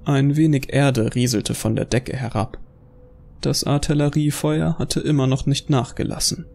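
Gravelly male narrator. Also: medium pitch, darkish tone. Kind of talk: scripted audio drama narration.

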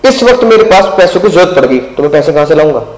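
Animated male teacher in an echoey room. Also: a little high, quick pace. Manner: animated, constant tag words, acts out scenes. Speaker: commerce teacher. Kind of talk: classroom lecture.

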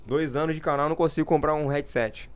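A man's voice: on the high side, fairly even intonation, quick pace, smooth. A man in his thirties chatting casually in a vlog, rambling and losing his train of thought, poking fun at himself. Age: 30s. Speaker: gaming youtuber.

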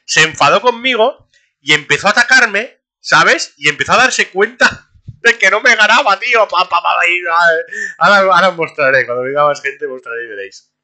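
Excitable streamer man, bright voice. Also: high voice, normal speed. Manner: excitable, laughs often, addresses chat directly. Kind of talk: casual gameplay commentary.

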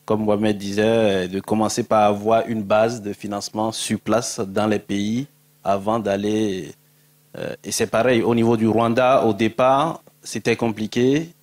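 A man in his thirties speaks on a panel stage through a handheld mic. His voice is fairly low, and he talks hesitantly, filling gaps and letting sentences fade out. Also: level tone, measured pace. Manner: hesitant, many fillers, trailing off. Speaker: panelist, film fund organizer. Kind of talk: panel discussion. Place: indoor stage at a public panel.

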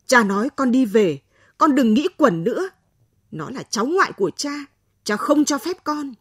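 Give me a woman doing a patient, pleading aging father from a radio storybook. He talks slowly and tenderly. The voice is breathy and sits close on a dry recording. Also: sits high, expressive, mellow, no room sound, full character voice. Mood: stern.

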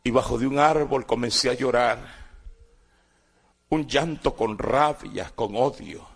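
A man's voice: mid-range voice, a little slow, gravelly, slightly rough. A man in his sixties with a Guatemalan accent, giving a personal testimony as a dramatic storyteller who acts out the voices of people in his past. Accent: Guatemalan Spanish. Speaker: former guerrilla giving testimony.

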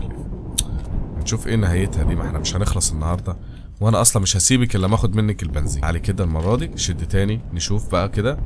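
Egyptian male gamer host, talks at breakneck speed, coaxes and scolds things in the game, light hiss behind him. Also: fairly low pitch. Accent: Egyptian Arabic. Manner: chatty, pleads and jokes with game objects. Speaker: gaming channel host. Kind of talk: casual gameplay commentary.

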